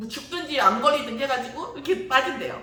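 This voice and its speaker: Delivered at a very fast pace, the speech has an animated tone over noticeable background noise. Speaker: pastor. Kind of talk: sermon. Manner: conversational, animated.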